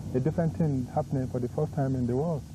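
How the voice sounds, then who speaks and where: A man from Nigeria with a Nigerian accent, Isoko his first language, speaking as a guest in earnest, halting conversation. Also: mid-range voice, steady tone. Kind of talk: casual conversation. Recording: 1980s cable TV studio tape, faint noise.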